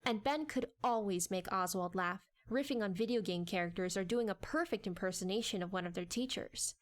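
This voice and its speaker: A woman's voice: medium pitch, fairly quick. A woman reading scripted story narration in a dramatic audiobook style.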